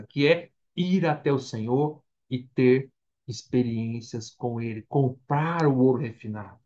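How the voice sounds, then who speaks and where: A man with a Brazilian accent preaches a Bible study sermon, asking questions of his congregation and answering them himself. His voice sits fairly high. The recording is dull and lo-fi, with little top end. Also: a little mellow. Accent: Brazilian Portuguese. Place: church or online meeting.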